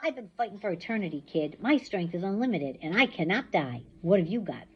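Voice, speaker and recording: A swaggering male war god, loud and mocking, all threat and boasting, as a woman reads him aloud. The voice leaps up and down in pitch as he taunts. The audio is dull and a little muffled. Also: huge pitch swings, normal speed, breathy edge, exaggerated voice. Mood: boastful.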